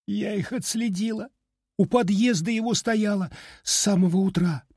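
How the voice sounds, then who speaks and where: A man's voice: sits high, moderate pace, darkish tone, husky, no room sound, clean studio sound, pitched above the performer's own voice. A man voicing a tearful, heartbroken young woman who speaks in a whiny, pleading way while crying. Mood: despairing.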